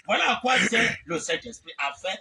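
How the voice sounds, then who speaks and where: A man preacher delivering a fervent sermon, shouting and calling out repeated amens. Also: sits high, big pitch swings, moderate pace. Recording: distant mic with faint background noise.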